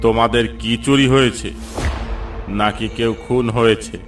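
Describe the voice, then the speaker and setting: A man voicing a gruff, commanding middle-aged police officer in a cartoon. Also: mid-range voice, steady tone, normal speed, far from the mic, music in the background, lightly acted. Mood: stern. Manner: commanding, dismissive.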